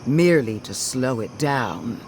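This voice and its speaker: An actor playing a solemn, embittered oath-bound zealot in a fantasy video game, grave and oratorical. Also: male voice, mid-range voice, lively intonation, unhurried, slight background noise. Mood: scornful.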